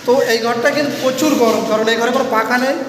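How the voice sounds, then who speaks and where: উঁচু গলার তরুণ ভ্লগার, প্রতিধ্বনিময় ঘর. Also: male voice, very high-pitched, rapid-fire. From India. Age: young adult. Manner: chatty, repeats himself, urges viewers to keep watching. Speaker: vlogger. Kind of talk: casual vlog narration. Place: echoey school gym room, indoors. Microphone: phone camera held at arm's length. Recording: echoey room with noise.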